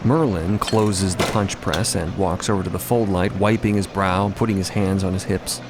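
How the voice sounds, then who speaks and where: A man's voice: deep voice, steady tone, moderate pace, noisy background. A man narrating a fiction podcast in the present tense, vividly descriptive with conversational asides.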